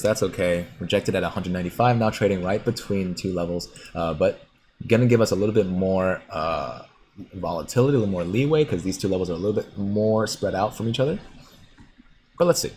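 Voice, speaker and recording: A man hosting a casual livestream, reading viewer comments aloud, chatting and laughing easily as he thinks out loud. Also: low-pitched, fairly quick, a little hiss or hum. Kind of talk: casual livestream chat about stocks.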